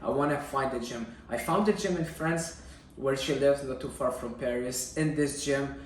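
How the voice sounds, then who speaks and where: A man's voice: medium pitch, normal speed. Young man storytelling in a very echoey room. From Syria. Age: young adult. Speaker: bodybuilder telling his own life story. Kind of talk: personal storytelling vlog. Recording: echoey room, distant mic, faint noise.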